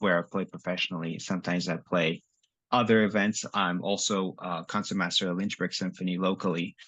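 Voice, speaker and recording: With a Russian accent, a man speaks at a very deep, low pitch and a fairly quick pace in a bright, sharp tone. His intonation is monotone and flat, and the background is quiet. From former Soviet Union, moved to US at eleven. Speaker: violinist and music professor. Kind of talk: podcast interview. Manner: hesitant with many fillers.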